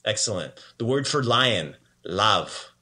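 Bright-voiced upbeat man teaching. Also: lowish voice, big pitch swings. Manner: upbeat, chatty, repeats words slowly for learners. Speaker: language teacher. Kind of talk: casual puppet-show language lesson.

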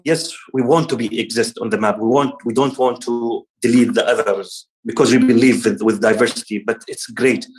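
A man's voice: medium pitch, steady tone, a little mellow, rough recording. Earnest Palestinian man on a video call. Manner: earnest, halting, restarts words; gestures with hands while talking. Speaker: guest speaker. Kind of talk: online ceremony remarks.

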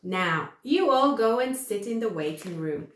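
A woman voicing a friendly, encouraging male dentist from a children's storybook, explaining things gently. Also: medium pitch, lively intonation, unhurried, a little hiss or hum, natural voice. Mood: gentle, explanatory. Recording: echoey room.

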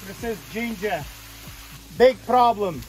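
An older man guiding a walk outdoors, explaining plants and sights in halting, playful English. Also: sits high, animated, music in the background. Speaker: tour guide. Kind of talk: guided walk commentary. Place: outdoors on a mountain path.

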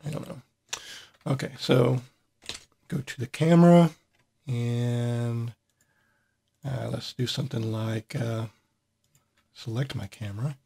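A man hosting a casual software tutorial, thinking aloud as he works with relaxed pauses. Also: mid-range voice, creaky, slightly rough. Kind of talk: casual screen-recorded tutorial.

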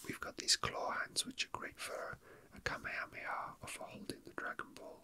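Someone whispering asmr, really sharp breathy sound, slow casual muttering to themselves. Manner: soft, unhurried, murmuring to self. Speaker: toy unboxing video host.

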